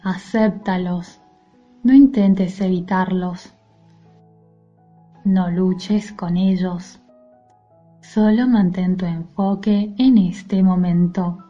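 A woman leading a guided mindfulness meditation in a soothing, gentle, soft-spoken manner. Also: lowish voice, steady tone, drawn-out words, pauses often, dull audio. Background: music.

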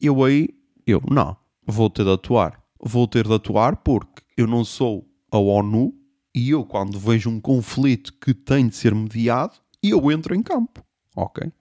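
A young man telling a comic story, animated, swearing and making sound effects. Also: mid-range voice, measured pace, no echo. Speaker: podcast host.

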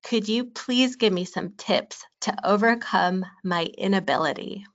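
A woman's voice: mid-range voice, a little slow. A woman hosting a podcast, reading out listener questions and responding to the guest. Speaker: podcast host. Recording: dull, slightly lo-fi sound.

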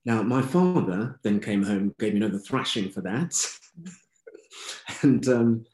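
Low-voiced, well-spoken older Englishman. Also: expressive, a little mellow, reverberant, low-quality recording. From England. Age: 60s. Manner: measured, candid, matter-of-fact. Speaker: interview guest. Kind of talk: reflective life-story telling.

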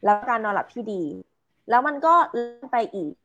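Relaxed Thai woman explaining casually. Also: mid-range voice, moderate pace, highs cut off, over music. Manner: relaxed, explains with fillers and English terms.

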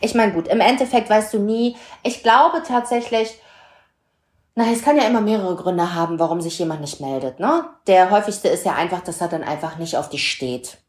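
A woman chatting casually on a podcast, telling a story in an animated way and acting out the dialogue. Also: medium pitch, normal speed, roomy sound.

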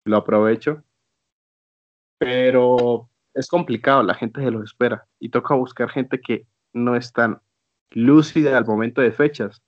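A man's voice: mid-range voice, measured pace, dry recording, muffled recording. A man, hosting a podcast in a casual, joking way. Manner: joking, teasing. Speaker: podcast host. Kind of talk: casual chat.

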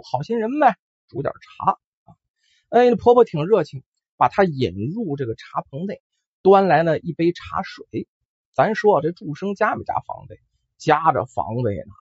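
A male storyteller spins a folk ghost tale in a high, lively, husky voice, breaking in with frequent exclamations. The recording is dry and dull, with a lo-fi sound. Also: no echo.

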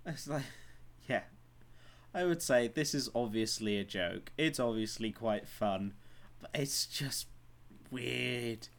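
A man's voice: medium pitch, slow, creaky, pauses often. A man co-hosting a casual news chat, joking in a dry way with plenty of ums and uhs. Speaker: podcast co-host.

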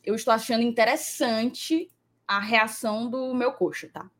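A woman's voice: on the high side, moderate pace, a crowd in the background. A woman co-hosting a live sports stream, chatty and playful, reading viewer comments aloud. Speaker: podcast co-host. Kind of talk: casual live-stream chat.

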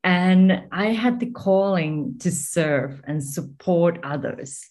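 Slow-spoken Finnish-accented woman. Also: on the low side, darkish tone. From Finland. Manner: earnest, personal storytelling. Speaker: podcast guest, coach. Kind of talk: casual interview answers.

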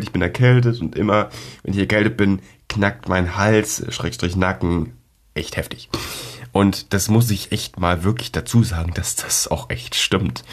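A teenage boy with a fairly low voice rambles casually into a close podcast mic. He is sick with a cold, so his talk comes with coughs and a congested edge. His chat is loose and slangy, full of fillers and side remarks. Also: husky. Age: teens. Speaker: podcast host.

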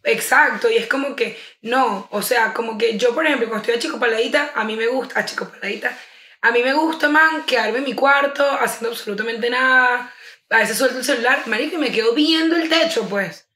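Venezuelan woman, podcast co-host, casual slangy chat, bright tone, roomy echo. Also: fairly high pitch, a little fast. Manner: chatty, full of slang and fillers.

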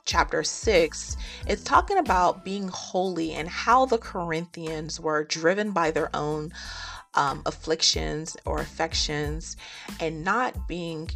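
A woman with a low, gravelly voice teaches the Bible in an earnest, chatty way. She fills her talk with ums and falls into preacherly rhymes. Faint music plays behind her. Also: a bit bright. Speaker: podcast host and teacher.

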